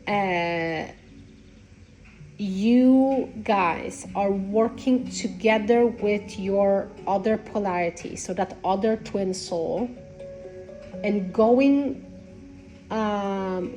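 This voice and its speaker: A woman with a congested, nasal voice giving unscripted spiritual talk to followers in a halting, rambling way. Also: mid-range voice, darkish tone, low-quality recording. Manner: halting, rambling, repeats phrases. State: congested with a cold. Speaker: spiritual content creator.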